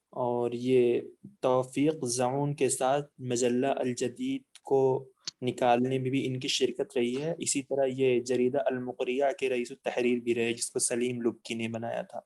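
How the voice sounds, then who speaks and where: A man in an online class slowly reading out facts from his notes. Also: medium pitch, a little mellow.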